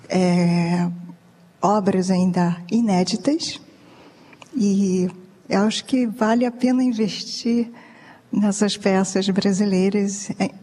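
A woman speaks very slowly and softly, stopping often on hesitant fillers. Her voice has a long reverb around it. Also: medium pitch. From Japan. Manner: soft-spoken with hesitant fillers. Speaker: pianist guest.

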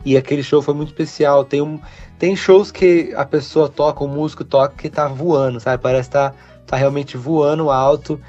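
A man's voice: a little high, moderate pace, lo-fi sound, soft background music. Man chatting loosely in an interview. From Brazil. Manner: relaxed, rambling, many fillers like "né". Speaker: guitarist and composer, interview guest. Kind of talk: casual interview chat.

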